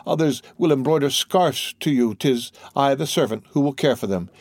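A man's voice: medium pitch, normal speed, a little mellow, dry recording, natural voice. A man voicing a passionate young gypsy girl in an audiobook, imploring and devoted in archaic words. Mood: pleading, submissive.

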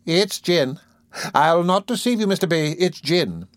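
A man's voice: high voice, animated, measured pace, no room sound, studio quality, voice pushed up. A man voicing a sly, sugary older nurse woman in an audiobook, coaxing and persuasive. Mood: wheedling. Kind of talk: audiobook character voice.

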